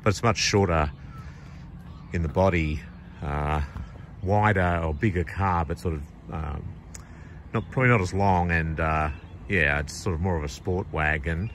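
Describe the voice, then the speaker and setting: A man's voice: deep voice, unhurried, pauses often, a bit bright, a little hiss or hum. A man, hosting a casual car vlog and rambling with plenty of fillers, recorded on a phone in a car. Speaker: vlog host. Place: inside a parked car.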